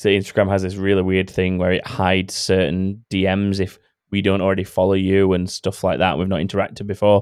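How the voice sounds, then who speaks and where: A man with a Yorkshire accent speaks at a very fast pace with a very deep, low pitch. His intonation is monotone and flat, on a very clean recording with a silent background. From Sheffield, Yorkshire, England. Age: 30s. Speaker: motorsport podcast host. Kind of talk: casual chat.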